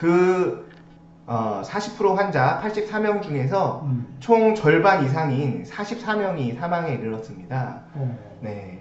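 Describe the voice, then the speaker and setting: Very slowly and with long, frequent pauses, a man with a fairly high voice swings very widely in pitch, with audible room echo and noticeable background noise. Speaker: doctor. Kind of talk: medical explainer interview. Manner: hesitant with many fillers.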